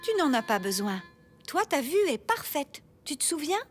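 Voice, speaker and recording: Casting: playful, patient mother for a kids' cartoon, high voice with animated swings, reassuring. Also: moderate pace, soft background music. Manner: gently questioning, reassuring. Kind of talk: children's cartoon dub.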